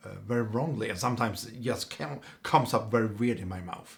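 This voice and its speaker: A man talks in a somewhat breathy voice. His pitch is medium. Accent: slight Swedish. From Sweden. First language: Swedish. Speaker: tabletop game master and video creator. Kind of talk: casual personal vlog. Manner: halting, with pauses and fillers.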